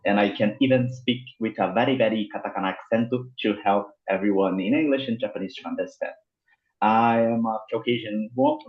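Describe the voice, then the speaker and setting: A Brazilian man speaking English as a second language on a panel, hesitant with many fillers and repeats. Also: medium pitch. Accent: Brazilian Portuguese. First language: Portuguese. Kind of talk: casual panel talk. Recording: roomy, dull video-call audio.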